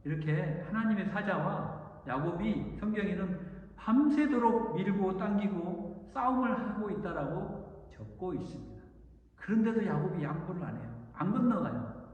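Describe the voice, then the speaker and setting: A man's voice: high-pitched, normal speed. A man preaching a sermon as a junior pastor, retelling the story vividly. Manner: storytelling, animated retelling with acted quotes. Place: church sanctuary. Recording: echoey church hall, distant dull mic.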